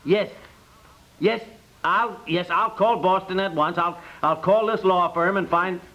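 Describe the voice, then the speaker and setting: An actor playing an exasperated, blustering husband who sputters and stammers in a 1950s radio comedy. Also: male voice, sits high, bright, forceful tone, exaggerated voice. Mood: flustered, impatient. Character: exasperated, blustering middle-aged husband, easily swayed. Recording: muffled vintage 1950s radio recording.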